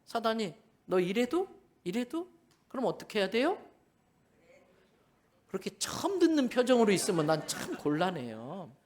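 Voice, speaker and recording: A male pastor preaching a sermon at a church service. He is animated, acts out bits of dialogue and swings between soft and loud delivery. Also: high-pitched, moderate pace, pauses often.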